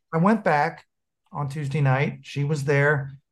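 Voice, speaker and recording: Against a quiet background, a man with a fairly high, somewhat breathy voice talks at a moderate pace. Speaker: meetup participant seeking advice. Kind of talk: casual personal sharing. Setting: video call.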